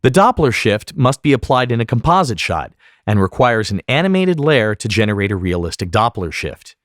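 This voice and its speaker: A man giving scripted software tutorial narration as an instructor, speaking in a precise, explanatory way. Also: mid-range voice, very animated, normal speed, dry recording, studio quality.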